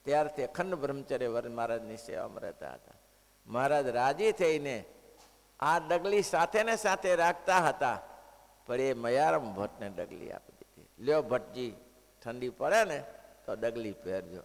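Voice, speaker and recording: A man giving a devotional sermon, telling a story and acting out its dialogue, dropping to a hush at tender moments. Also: mid-range voice, gravelly. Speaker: preacher giving a scripture discourse. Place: temple hall. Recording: long hall reverb.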